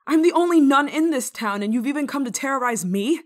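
A woman's voice: sits high, expressive. Bold, theatrical village nun played by a woman. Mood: stern, confronting. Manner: theatrical, scolding, teasing, dramatic pauses. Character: bold, stern but kind-hearted village nun. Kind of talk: ASMR roleplay monologue, dramatic acting.

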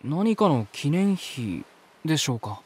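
An actor playing a polite, curious young man in a voice drama, speaking in a gentle, thoughtful way. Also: fairly high pitch, very animated, unhurried, husky, full character voice. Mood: curious wonder. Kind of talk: Japanese voice drama acting.

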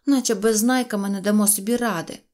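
A woman voicing a boastful, hot-headed little boy in an audio fairy tale, shrill and excitable. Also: fast talker, natural voice.

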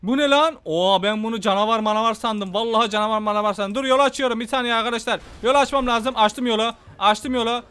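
A young man commenting excitedly on a game he is playing, talking to viewers and taunting enemies. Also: very high voice, quick pace, few pauses, clean tone. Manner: excitable, banters with enemies, addresses viewers as friends. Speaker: gaming YouTuber. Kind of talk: Let's Play commentary.

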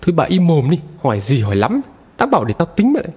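A man voicing an angry, brutal rural husband who yells and scolds harshly. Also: fairly high pitch, very animated, a little fast, slightly rough, pitched above the performer's own voice. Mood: angry yelling. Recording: long reverb.

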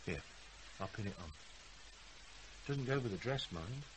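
Animated, blunt British man. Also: lowish voice, a little slow, noisy background. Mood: wry, teasing. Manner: blunt, matter-of-fact, wry. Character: blunt, cocky businessman, tipsy partner of a mother. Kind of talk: naturalistic radio drama acting.

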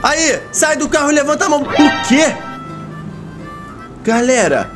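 A young man giving excited gameplay commentary in a small room, calling out to his viewers and playing a police officer. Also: extremely high pitch, a little slow. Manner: hyped, shouts at the audience, plays the police role. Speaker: gameplay narrator. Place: small room with green screen. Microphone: headset. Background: loud game music.

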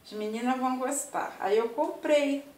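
A woman's voice: high voice, moderate pace, darkish tone, distant mic. An older woman with a Brazilian accent, chatting tenderly and casually at home as a vlog host. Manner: chatty, tender, full of diminutives. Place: home, indoors. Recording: roomy echo.

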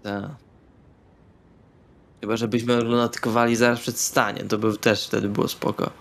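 A man's voice: fairly low pitch, little pitch movement, moderate pace, creaky, fairly bright tone. A man playing a sarcastic, crude, casual male vampire in an improvised tabletop roleplay. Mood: joking.

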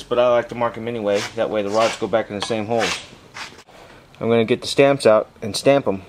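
A man giving plainspoken, informal hands-on instructions as a mechanic in a garage workshop. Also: medium pitch. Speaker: mechanic demonstrating an engine teardown. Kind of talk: hands-on how-to narration. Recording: clearly noisy garage recording with clicking.

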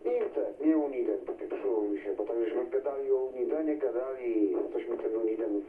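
A man's voice: medium pitch, a little fast. Male, casual CB radio operator, echoey transmission picked up from a distance, unsure, everyday slangy talk. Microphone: radio microphone heard through a receiver speaker. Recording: tinny band-limited radio signal, echoey, distant, noisy.

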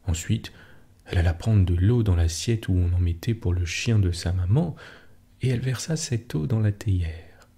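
A man softly reading a children's story aloud for a sleep podcast, in a hushed, soothing way. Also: low-pitched, normal speed, husky.

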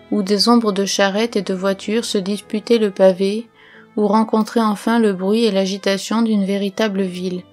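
A woman narrating a classic story for an audiobook in a measured, even reading. Her pitch sits mid-range and barely rises or falls. Faint instrumental music plays behind her. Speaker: audiobook reader. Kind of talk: scripted narration.

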